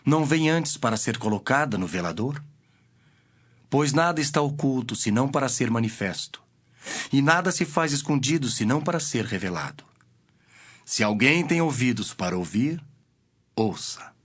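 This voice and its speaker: A man playing Jesus as a solemn, measured teacher in a dramatized audio Bible. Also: medium pitch, expressive, a bit bright, breathy edge. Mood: solemn teaching. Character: Jesus, solemn teacher telling parables to followers. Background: music.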